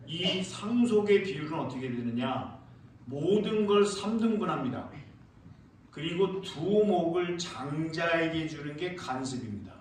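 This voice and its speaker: A man preaching a sermon as pastor, telling lively stories and asking the congregation questions. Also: a little high, unhurried, slight background noise. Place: church sanctuary. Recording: echoey church hall, mic far off.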